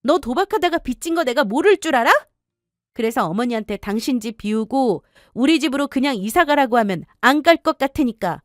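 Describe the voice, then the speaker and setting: A fed-up wife who confronts her husband with sharp, cold accusations, played by a woman in an audio story. Her voice sits high and swings widely in pitch, and it is recorded dry and close. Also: no echo.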